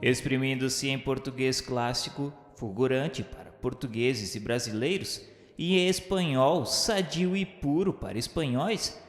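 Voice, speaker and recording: A man delivers grandiloquent scripted narration for a radio drama. His medium-pitched voice is solemn and declamatory, phrased like formal literature. It rings with the echo of a large hall, over faint music. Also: measured pace.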